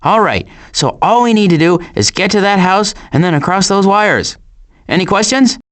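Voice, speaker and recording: A man voicing a sardonic, glib animal adventurer in an animated video game, with dry sarcasm and deadpan asides. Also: sits high, moderate pace.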